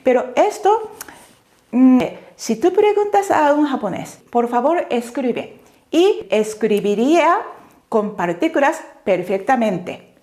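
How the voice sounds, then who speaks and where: A woman's voice: high voice, lively intonation, warm tone. A woman whose first language is Japanese, teaching a Japanese lesson in Spanish and checking often that her students follow. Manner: slow, careful explanations with frequent "¿vale?" checks.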